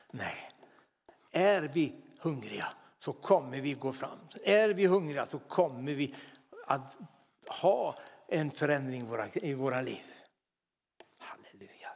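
A man's voice: fairly high pitch, expressive, vocal fry. A man preaching a sermon with fervent delivery, repeating hallelujah between points and dropping into whispered asides. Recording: long hall reverb.

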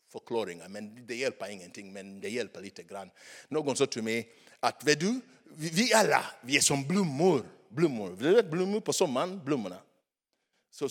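Male preacher, second-language speaker, halting and animated, slightly high voice, long hall reverb. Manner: halting, repeats words, animated. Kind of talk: sermon.

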